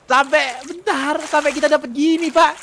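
A man's voice: extremely high pitch, fairly even intonation, moderate pace, sharp tone, a little hiss or hum. A man playing a survival game with a friend, urgently pleading and nagging him to hurry and help. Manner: pleading, urgent, calls his partner 'Pak' constantly. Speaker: gaming YouTuber. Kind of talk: gameplay banter.

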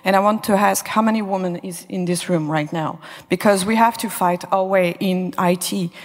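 A woman's voice: medium pitch, steady tone, moderate pace. Earnest woman asking from the audience. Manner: earnest, searching for words. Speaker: audience member asking a question. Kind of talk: conference Q&A question. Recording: long hall reverb.

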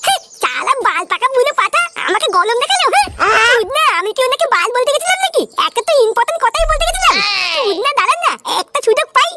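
A man's voice: very high-pitched, sing-song, quick pace, heavy background noise. A man voicing a cheeky, insolent, cursing little boy in a comedy cartoon. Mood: resentful.

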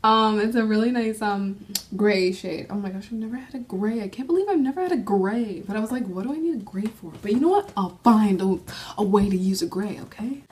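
A woman's voice: medium pitch, lively intonation, brisk, darkish tone. A young woman swatching a makeup palette in a casual vlog, gushing with gasps and exclamations. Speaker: beauty vlogger.

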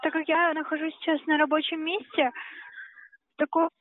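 High-voiced woman on a tinny phone. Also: level tone, moderate pace, no room sound, faint music behind. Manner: formal, polite, persistent. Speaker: bank telemarketer. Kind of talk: scripted sales call. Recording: dry, tinny telephone line.

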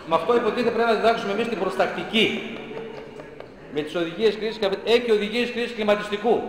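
Male teacher, fiery public lecture, sarcastic and indignant, high voice, heavily reverberant hall recording. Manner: indignant, sarcastic, rhetorical questions. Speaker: schoolteacher giving a public talk. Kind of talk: impassioned lecture. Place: large hall of a church centre. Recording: very echoey hall with long reverb.

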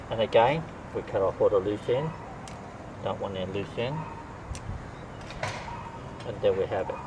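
A middle-aged man talks through a hands-on demonstration one step at a time, his voice sitting fairly low. He is recorded outdoors by a camera mic a few feet off, with clear street and outdoor noise around him. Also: recorded from a distance. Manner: plain step-by-step explaining while working with his hands. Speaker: fishing tutorial host. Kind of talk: how-to demonstration. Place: outdoor driveway beside a boat trailer. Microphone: camera mic a few feet away.

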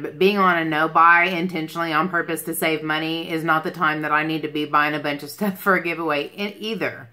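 A woman of about forty-six hosts a casual livestream from a room at home. Her voice sits a little low but has a clear, bright edge. She talks in a loose, rambling way, hopping between thoughts as she takes questions. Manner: rambling, jumps between topics. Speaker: beauty livestream host. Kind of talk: casual livestream chat answering viewer questions. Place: small furnished room at home, indoors.

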